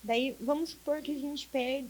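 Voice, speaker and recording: A woman in class speaking up, halting and searching for words. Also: high-pitched, fairly even intonation, rough recording. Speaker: student.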